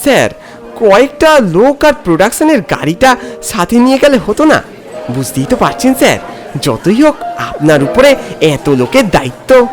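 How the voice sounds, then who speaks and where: Anxious male sidekick, played by a man, high and respectful, stumbling over his words, animated horror cartoon with music. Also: normal speed. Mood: worried pleading. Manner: hesitant, stammering, respectful. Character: nervous, deferential male film assistant, anxious and hesitant.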